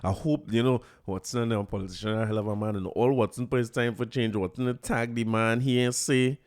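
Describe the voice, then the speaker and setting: Trini guy riffing on his podcast, laughing a lot, mid-pitched, easygoing. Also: fairly even intonation, fairly quick, a little mellow. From Trinidad and Tobago. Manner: chatty, joking, laughs often, repeats words. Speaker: podcast host. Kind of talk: casual solo commentary.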